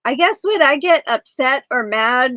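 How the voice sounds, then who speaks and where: A woman's voice: sits high, expressive, a little slow, sharp tone, dry recording. A woman hosting a casual livestream, chatty, greeting viewers and reading the chat aloud. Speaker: livestream host. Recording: dull, dry stream audio.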